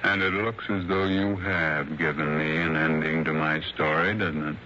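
An actor playing an older blind husband in a 1960s radio drama, speaking slowly with resigned sadness. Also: male voice, extremely low pitch, little pitch movement, pushed and bright, a little hiss or hum. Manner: slow, resigned and sad. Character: older blind man, husband of a young wife. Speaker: Mister Porter. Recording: dull lo-fi vintage radio broadcast.

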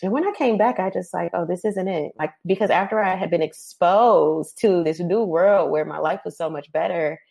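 A woman from Detroit telling her story as a podcast guest, lively and quick to laugh. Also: on the low side, vocal fry, slightly rough. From Detroit, Michigan. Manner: lively, laughs often, says "um" and "like". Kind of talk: conversational storytelling.

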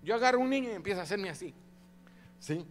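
A pastor preaching a sermon to his congregation, animated and calling out to the audience for responses. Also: high voice, fast talker, in a large hall, a little hiss or hum. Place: church.

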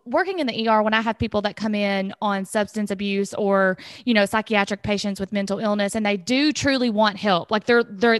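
A woman's voice: fairly high pitch, no room sound, studio quality. A woman in her thirties hosting a podcast, talking candidly and chattily, laughing easily. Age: 30s. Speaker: podcast host. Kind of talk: casual podcast conversation.

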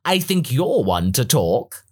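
A man voicing a smug, cruel alien male tyrant, speaking in a pompous, drawn-out, high voice. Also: big pitch swings, husky, full character voice. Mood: gloating.

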